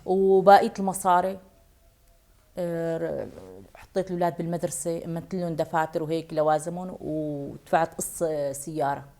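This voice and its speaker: A woman's voice: sits low, little pitch movement, very fast, warm tone. A woman from Syria giving casual testimony as an aid recipient. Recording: faint background noise.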